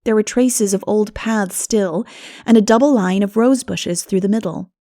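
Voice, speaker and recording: A woman reading a classic novel aloud as an expressive audiobook narrator. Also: medium pitch, moderate pace, no echo, clean studio sound.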